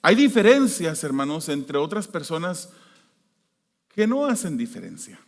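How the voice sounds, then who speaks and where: A man from the United States preaching a sermon as pastor, shifting between loud emphasis and quiet, hushed prayer. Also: a little high, very animated, unhurried. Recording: long hall reverb.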